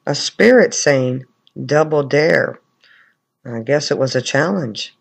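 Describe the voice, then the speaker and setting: A man's voice: mid-range voice, expressive, takes it slowly, gravelly. A man commenting on recordings of spirit voices as a paranormal investigator.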